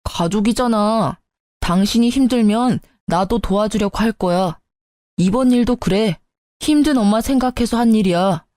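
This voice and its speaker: A woman's voice: mid-range voice, moderate pace, warm tone, no echo, lightly acted. A woman voicing a defensive, self-justifying husband in a narrated family story, arguing and pleading with his wife. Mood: accusing.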